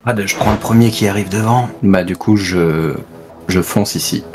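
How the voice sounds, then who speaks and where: A man's voice: fairly low pitch, moderate pace, music in the background. A man chatting casually as a player in a tabletop role-playing game.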